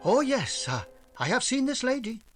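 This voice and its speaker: A man playing an obliging restaurant owner in an old radio drama. The voice is high and very lively in pitch, with polite, halting, formal phrasing. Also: over music. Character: courteous, obliging male Chinese restaurant owner. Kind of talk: 1940s radio drama acting.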